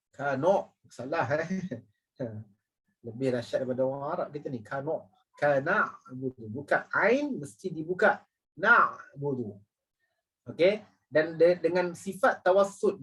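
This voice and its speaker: Husky-voiced man teaching slow recitation. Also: a little high, fairly bright tone. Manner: drills phrases slowly, repeating and correcting. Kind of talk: tajwid lesson, correcting recitation. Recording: voice distant from the mic.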